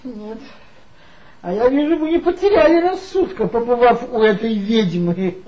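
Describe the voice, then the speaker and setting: A man's voice: very high-pitched, normal speed, warm tone, dull audio. An actor playing a tipsy former magazine worker who mockingly gossips about his old boss in a 1960s radio play. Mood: gossipy. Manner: gossipy, mocking, confiding storyteller.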